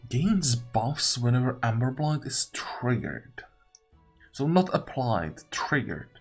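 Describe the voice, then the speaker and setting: Male gamer, casual commentary, musing and deliberative, slightly rough-edged voice, faint music underneath. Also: mid-range voice, very animated, slow. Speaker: gamer narrating own playthrough. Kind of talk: casual gameplay commentary, thinking aloud. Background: game music.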